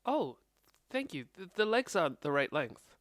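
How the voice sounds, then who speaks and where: A woman's voice: on the low side, moderate pace, no echo, studio quality. A woman chatting casually and playfully while playing a tabletop game on a live stream. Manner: animated, playful questions.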